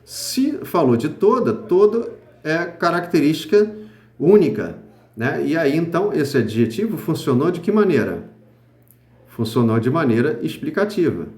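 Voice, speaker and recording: A man's voice: on the high side, big pitch swings, a little slow, darkish tone, reverberant. A man teaching a casual grammar lesson, slangy and informal, checking understanding with constant tag questions and hesitant fillers. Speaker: Portuguese teacher.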